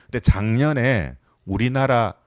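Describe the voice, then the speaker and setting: A man's voice: mid-range voice, measured pace, no room sound, studio quality. A man in his fifties giving a live explanatory lecture, putting questions to his listeners. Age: 50s. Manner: explanatory, asks the audience questions. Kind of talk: live lecture on pension reform.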